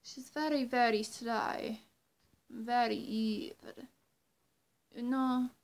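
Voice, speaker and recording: In a small, bright bedroom, a young woman voices a coy vampire speaking directly to the listener, slow and high-pitched with a steady tone and a sly, confiding mood. A camera mic picks her up from arm's length or nearer.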